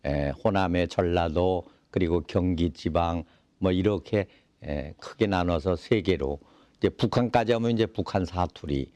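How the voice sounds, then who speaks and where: Low-voiced guy hosting an interview, slow explainer type, dry close sound. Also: mellow, no room sound. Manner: leisurely, explanatory, many fillers. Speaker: interview host. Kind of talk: casual interview talk.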